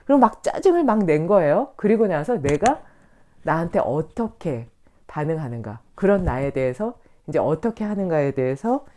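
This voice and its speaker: A woman's voice: lively intonation, normal speed, mellow. A middle-aged Korean woman teaching meditation and yoga on a live stream, chatting about emotions and acting out inner voices. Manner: conversational, acts out inner voices with sudden lifts in pitch.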